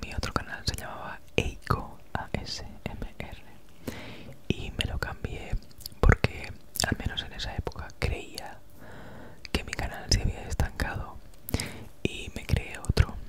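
A woman in her thirties with an accent from Spain chats casually in breathy, unvoiced ASMR whispers, very close to the mic, right in your ear, with a noticeable S sound. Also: unhurried. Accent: Spanish from Spain. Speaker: ASMR creator. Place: small home room, indoors. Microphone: handheld recorder with foam windscreen, very close.

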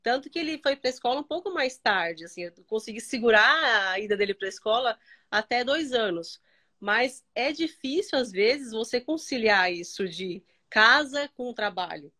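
A woman's voice: a little high, lively intonation, normal speed, bright, forceful tone. A woman from Brazil, a guest influencer, telling stories in casual chat over a video call from her bedroom. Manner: chatty, storytelling, many fillers. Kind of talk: casual live-stream chat. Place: bedroom at home. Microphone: home video call.

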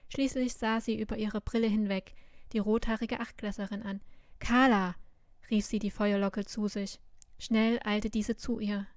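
A woman reading a fantasy novel aloud, telling it in an even, measured way. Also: medium pitch, no room sound, studio quality. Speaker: reader of a web novel.

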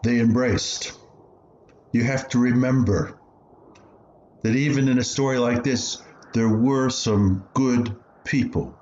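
A man's voice: mid-range voice, takes it slowly, darkish tone, slight background noise, close to an everyday voice. A man acting in a radio play as an elderly Jewish survivor, reflective, challenging and pained. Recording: dull, roomy recording with music.

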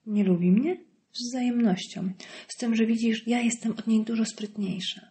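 A woman's voice: fairly high pitch, steady tone, moderate pace, dark tone, pitched above the performer's own voice, close to an everyday voice. A woman reading an audiobook voices a cold, scornful wealthy wife, icy and sarcastic.

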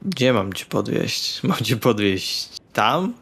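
A man's voice: fairly low pitch, sing-song, takes it slowly, creaky, fairly bright tone, slightly rough. A man speaking casually and bluntly as a player in a tabletop role-playing session. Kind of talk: casual in-character banter in Polish tabletop session.

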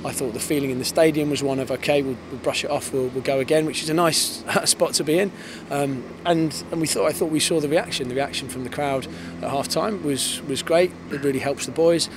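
A man in his thirties, an English football head coach, giving a post-match interview outdoors on a floodlit pitch at night, fast and thoughtful with many restarts. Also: steady tone. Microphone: handheld interviewer mic. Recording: outdoor with clear background noise.

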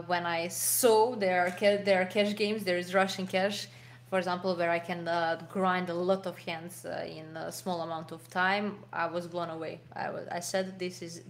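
A woman's voice: lowish voice, slight background noise. A young woman with a Serbian accent, a poker pro answering interview questions over a video call, with many fillers and restarts. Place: home room, video call. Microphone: desk mic, webcam framing.

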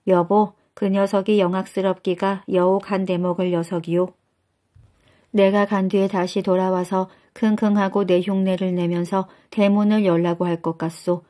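A woman's voice: medium pitch, level tone, moderate pace, dark tone, lightly acted. A woman voicing a sly rogue who hurriedly imitates a nasal old man, sniffing and panting, in a folktale reading. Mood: scheming.

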